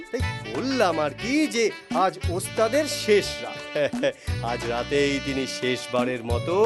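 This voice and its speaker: A witty village jester in a children's cartoon. He speaks courteously and coaxingly with mock innocence, over clearly audible music. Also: high-pitched. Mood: coaxing, explaining. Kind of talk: Bengali cartoon voice acting.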